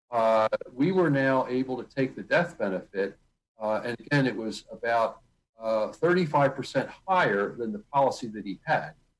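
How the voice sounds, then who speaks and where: An unremarkable speaking voice from a man, medium in pitch and fairly slow, with big swings in loudness. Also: lively intonation. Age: 60s. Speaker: financial planner. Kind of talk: interview. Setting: video call.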